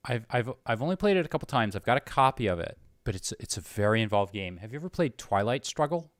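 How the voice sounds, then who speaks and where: A man's voice: lowish voice, very animated, quick pace, dry recording, studio quality. A man hosting a casual conversational interview, with an agreeable, enthusiastic manner. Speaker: interviewer, podcast host.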